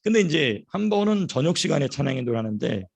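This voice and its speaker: A man preaches a sermon in a church, telling stories with animation. His voice is gravelly and sits a bit high. He repeats phrases for emphasis. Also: fast. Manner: storytelling, animated. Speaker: pastor.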